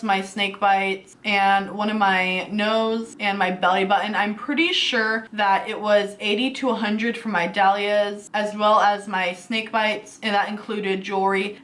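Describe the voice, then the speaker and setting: A woman's voice: mid-range voice, a bit bright. Woman, 20s, slight lisp, casual vlog chat, easygoing, lots of fillers. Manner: chatty and easygoing, many fillers like "like" and "you know". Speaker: beauty and lifestyle vlogger. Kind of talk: casual chat to camera answering viewer questions.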